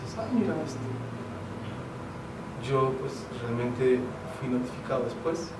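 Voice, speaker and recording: A Mexican playwright talking casually about his work at a public event, relaxed and conversational, with plenty of fillers and slang. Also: medium pitch, slow. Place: event hall. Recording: roomy, distant mic with noisy ambience.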